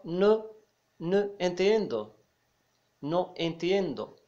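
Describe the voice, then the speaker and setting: Slow-talking man teaching a lesson. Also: a little high, a little mellow. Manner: repeats phrases, explains slowly with hesitations. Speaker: language teacher. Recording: dull lo-fi sound.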